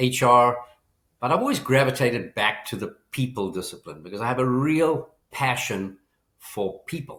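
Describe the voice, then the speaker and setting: A man with a South African accent, medium pitch, and moderate pace. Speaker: people leadership and change management expert. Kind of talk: podcast interview.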